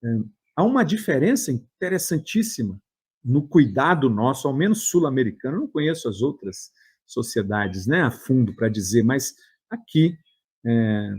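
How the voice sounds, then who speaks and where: A man's voice: mid-range voice, sing-song, moderate pace, a little mellow, husky. A Brazilian man with a Brazilian Portuguese accent, a therapist giving an earnest motivational talk full of anecdotes and repeated "né?" tags.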